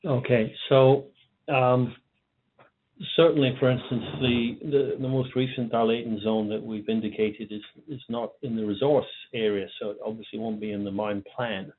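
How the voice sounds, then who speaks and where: A man answering questions as a company executive on an earnings call, halting and repeating words as he goes. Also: mid-range voice, fairly even intonation, slight background noise. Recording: tinny narrowband phone line.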